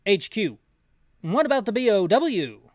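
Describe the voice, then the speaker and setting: A man's voice: sits high, big pitch swings, unhurried, a little mellow, dry recording, studio quality, pitched above the performer's own voice. A man voicing a formal headquarters radio operator in a video game, with a British accent. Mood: brisk, official.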